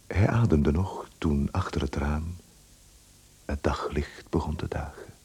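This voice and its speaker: A man with a husky voice reading calm, detached literary narration for a radio play. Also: rumbling low, unhurried, heavily acted. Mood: calm, sombre. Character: calm, detached male storyteller.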